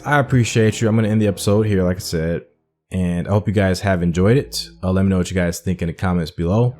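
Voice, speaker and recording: A man's voice: low-pitched, a little mellow. A man hosting a gaming playthrough, giving informal commentary and thinking aloud as he goes. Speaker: gaming host. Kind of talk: casual game commentary.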